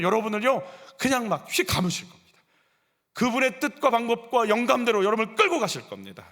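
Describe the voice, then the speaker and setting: A male pastor delivering a sermon in a church. He speaks high in pitch with a wide, expressive melody. He acts out everyday scenes to drive his points home. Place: church sanctuary.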